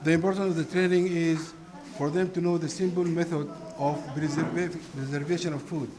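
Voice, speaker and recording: A man from Sudan answering interview questions about a training, in simple, halting sentences. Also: a little high, steady tone, a crowd in the background.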